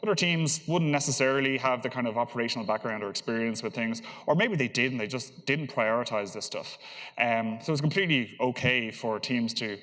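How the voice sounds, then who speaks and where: A man giving an informal technical conference talk as a speaker, with a halting, hesitant delivery that often repeats words. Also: mid-range voice, fairly bright tone. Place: large conference hall, on stage. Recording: reverberant hall sound.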